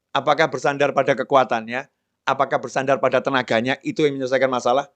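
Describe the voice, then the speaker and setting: A middle-aged man delivers a sermon in a conversational style. When acting out prayers and dialogue, his voice drops softer and lower.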